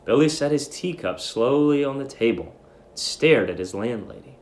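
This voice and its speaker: A man's voice: medium pitch, expressive, normal speed, a little mellow. A man narrating in a dramatic storybook reading style. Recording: roomy echo.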